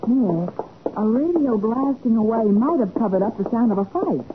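Detective's girl Friday, female actor: alert, curious, very lively intonation, old-time radio crime play with thin sound. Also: on the high side, normal speed, a little hiss or hum, lightly acted. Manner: lively, prodding. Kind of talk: 1940s radio acting. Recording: narrow old 1940s radio recording.

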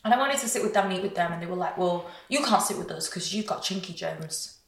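A woman's voice: lowish voice, quick pace, vocal fry. A woman, telling her life story candidly and chattily in an interview. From England. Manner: chatty, frequent "like" and "you know", animated retelling. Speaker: guest. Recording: echoey room.

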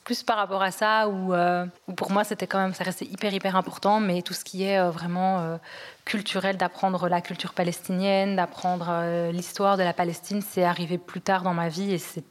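Invitée belge de trente ans, ton sincère et posé, voix grave, réverbération marquée. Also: female voice, fairly low pitch, flat delivery, moderate pace, big-room sound. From Belgium. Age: 30s. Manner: earnest and reflective, with many hesitations. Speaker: guest. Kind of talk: personal testimony in a podcast conversation.

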